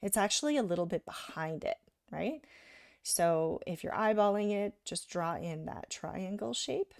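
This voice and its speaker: A woman giving a live drawing lesson, talking casually while she sketches and often checking in with "right?", a little hoarse from being sick. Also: medium pitch, lively intonation, a little slow, no room sound, clean studio sound. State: slightly hoarse from illness. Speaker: art instructor.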